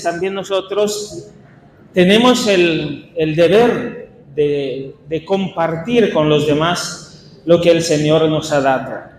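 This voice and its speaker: A man with an Italian accent, a Franciscan priest leading a workshop for catechists, speaking in an unhurried, halting way with small restarts. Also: sits high, slight background noise. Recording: echoey hall with faint ambience.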